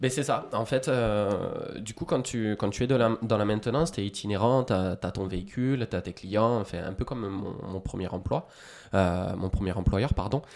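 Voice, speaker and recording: A man speaks with a fairly low pitch and ordinary pitch variation. His pace is moderate. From France, Loiret (Centre region). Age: 30s. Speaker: DJ and electronic music producer. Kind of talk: casual interview. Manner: halting, many repetitions.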